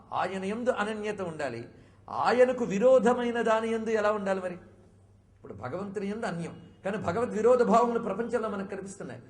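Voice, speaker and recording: A man giving a devotional discourse, explaining patiently and asking many rhetorical questions, sometimes gently chiding his listeners. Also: high-pitched. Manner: chiding, conversational. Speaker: spiritual speaker.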